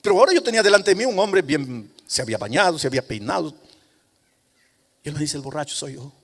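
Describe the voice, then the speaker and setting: A male pastor preaches a story-driven sermon, often sinking into hushed tones. His voice sits high for a man. The long reverb of a large hall trails every phrase. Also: animated, quick pace.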